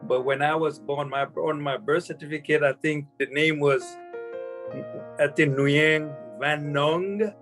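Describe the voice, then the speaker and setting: A man in his sixties, born in Vietnam, telling his life story as an interview guest in a halting way that often restarts phrases. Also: on the high side, fairly even intonation, music in the background. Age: 60s.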